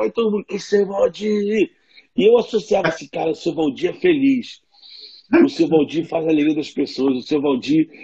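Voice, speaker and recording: A man's voice: fairly high pitch, gravelly, dark tone, slightly rough, dull audio. A man from Rio de Janeiro with a Carioca accent, a chatty guest telling stories on a video call. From Rio de Janeiro, Brazil. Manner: chatty storyteller, laughs often. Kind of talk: casual video-call interview.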